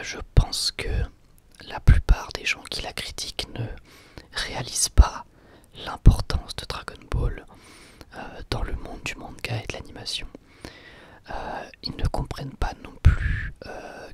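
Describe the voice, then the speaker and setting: Male ASMR host, whispered delivery with a very lively pitch, thoughtful and soft-spoken. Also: a little slow.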